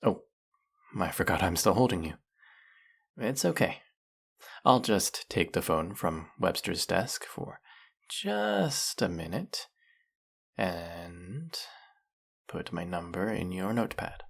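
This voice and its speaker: A man plays a low-voiced snake-headed villain in an intimate audio roleplay, speaking slowly and softly. He is courteous and lonely, gently flirting with the listener as someone he is smitten with. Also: very animated, vocal fry, slightly rough, full character voice. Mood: tender, hopeful. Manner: soft-spoken, flirtatious, unhurried.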